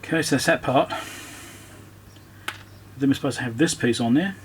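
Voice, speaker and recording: Man thinking aloud over clear background noise. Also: medium pitch, normal speed. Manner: muttering to himself while working, thinking aloud. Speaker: electronics repairer presenting own repair video. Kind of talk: casual hands-on repair commentary.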